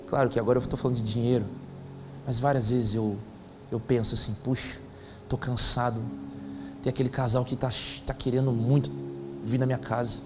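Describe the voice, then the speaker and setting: A man's voice: mid-range voice, flat delivery, fast. A man, a pastor telling a story in a sermon, acting out the dialogue in casual slang. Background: faint music.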